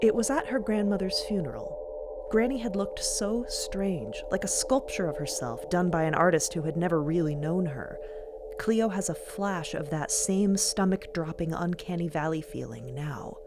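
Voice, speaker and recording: A woman giving dramatic scripted narration in a deliberate, theatrical way. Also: fairly low pitch, animated, background noise. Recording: loud music bed. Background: loud cinematic music.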